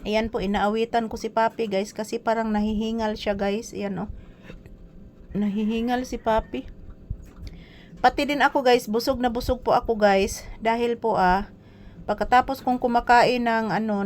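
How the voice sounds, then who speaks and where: A woman's voice: mid-range voice, darkish tone, a little hiss or hum. A woman chatting casually to her viewers in a vlog, calling them "guys" again and again. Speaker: vlogger with a pet puppy. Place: hanging out at a small store.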